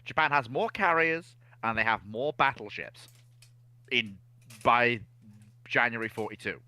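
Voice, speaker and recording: A man's voice: mid-range voice, a little slow, sharp tone. A man on a panel chatting casually in blunt, clipped short statements. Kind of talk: casual chat.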